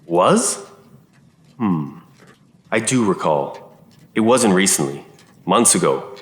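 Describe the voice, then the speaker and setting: An actor playing an old, lonely country reverend in an audio drama, solemn and hospitable, with measured, formal phrasing. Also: male voice, low-pitched, lively intonation. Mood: grave, regretful. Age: older. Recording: roomy echo under music.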